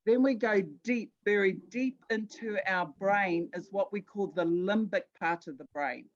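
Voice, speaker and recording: A woman's voice: mid-range voice, a little slow, muffled recording. A woman with a New Zealand accent gives an educational talk, speaking conversationally, telling stories and repeating words for emphasis. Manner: conversational, storytelling, emphatic with repetition. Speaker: guest speaker at a Māori health conference.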